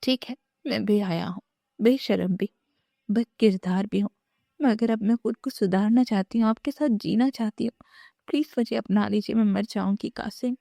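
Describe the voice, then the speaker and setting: A tearful young wife, voiced by a woman narrator in a storybook reading, pleading with raised emotion. Her tone is dark and mellow, set in a dry, close recording. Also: medium pitch, vocal fry, no room sound, natural voice.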